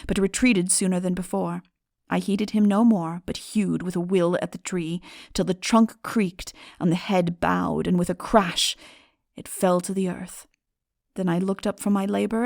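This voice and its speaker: A woman giving a dramatic literary audiobook narration in a measured, solemn and expressive way. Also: fairly low pitch, creaky, no echo, clean studio sound.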